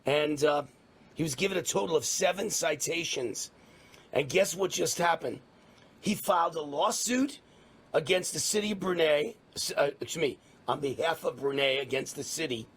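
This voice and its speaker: A man's voice: fairly high pitch, normal speed, a bit bright, husky. A middle-aged man from New York hosting a political talk show, ranting with fiery emphasis. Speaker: talk radio host.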